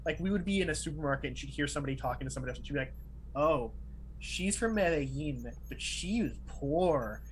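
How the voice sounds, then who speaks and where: A man's voice: fairly high pitch, animated, fast, rough recording. A man co-hosting a podcast in casual chat, talkative with frequent fillers like "like" and "right?". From Miami, family from Peru. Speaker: podcast co-host. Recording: faint background noise.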